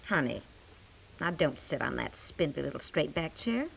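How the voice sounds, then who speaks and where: A woman's voice: deep voice, sing-song, normal speed, gravelly, slightly rough, heavily acted, low-quality recording. A woman playing a practical, exasperated housewife and mother in 1950s radio comedy, coaxing and chiding. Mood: placating. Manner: coaxing, chiding, matter-of-fact.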